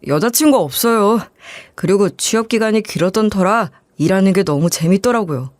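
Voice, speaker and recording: A woman's voice: medium pitch, lively intonation, normal speed, no echo, lightly acted. A woman reading the lines of an earnest young male office worker in a plain, polite voice.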